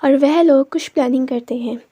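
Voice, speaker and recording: A commanding, teasing young woman, voiced by a woman storyteller. The voice sits high and mellow, recorded dry and close. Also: moderate pace, no echo, close to an everyday voice. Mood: bossy. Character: bossy caring young woman, elder-sister type.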